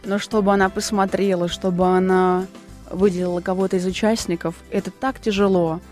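A woman, a singer and TV presenter, telling her story as a guest in a radio interview in an unhurried, relaxed way. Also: medium pitch. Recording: radio studio with faint music behind.

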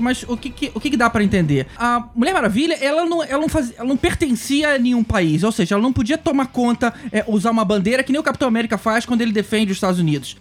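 A quick-talking voice of middling pitch, laying out an argument step by step. The tone is measured and explanatory, in casual podcast banter. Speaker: podcast panelist. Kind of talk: casual film-review banter.

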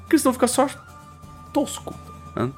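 A man's voice: very high voice, normal speed, soft background music. A man with a Brazilian accent co-hosting a podcast in casual chat, telling stories animatedly and slipping into slang. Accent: Brazilian Portuguese. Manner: animated storytelling, quoting others in raised voice; slangy, frequent fillers. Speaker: podcast co-host.

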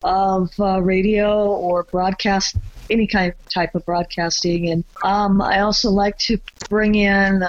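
A woman chats casually as a guest on an internet call. Her voice has a middling pitch, and the audio is very dry and a little muffled. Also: level tone, a little slow, no room sound. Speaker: musician, podcast guest. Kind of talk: casual chat. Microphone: online video call.

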